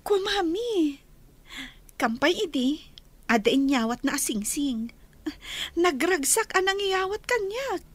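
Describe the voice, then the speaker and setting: A dreamy young radio-drama daughter. Her voice is high and her speech unhurried, as if her mind is still in a daydream. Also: very animated, exaggerated voice.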